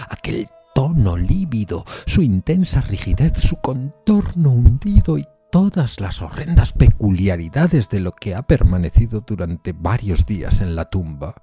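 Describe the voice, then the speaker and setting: A man playing a horror-struck widower in a gothic horror story, narrating theatrically and haltingly, with a husky voice. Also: medium pitch, mellow, heavily acted. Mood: grave, despairing. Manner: theatrical, halting, emphatic repetitions. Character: haunted, horror-struck widower recounting his wife's resurrection.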